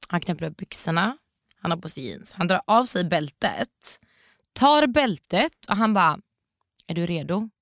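A young woman co-hosting a podcast, telling a story in casual chat. Her pitch swoops widely as she tells it, and she drops English slang into her sentences. The sound is dry and close to the mic. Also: expressive, fairly bright tone, no room sound. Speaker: podcast co-host.

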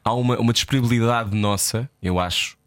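A Portuguese man with a European Portuguese accent hosting a radio interview, lively and opinionated as he asks probing questions. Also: mid-range voice, a little fast, no echo, studio quality. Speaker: radio host. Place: radio studio.

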